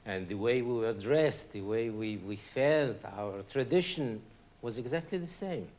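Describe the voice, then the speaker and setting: A man's voice: mid-range voice, unhurried, darkish tone. A man whose first language is Arabic, earnestly reminiscing in an interview. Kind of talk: interview recollection.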